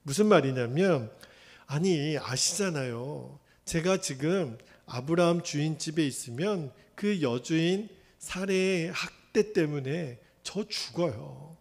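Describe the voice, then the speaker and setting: A man's voice: fairly high pitch, darkish tone. A male pastor preaching a sermon, acting out quoted dialogue and asking rhetorical questions. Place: church sanctuary. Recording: long hall reverb from church.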